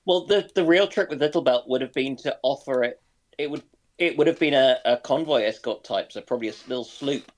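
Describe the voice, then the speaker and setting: A man's voice: medium pitch, brisk. A man chatting casually as a panellist on a live history discussion.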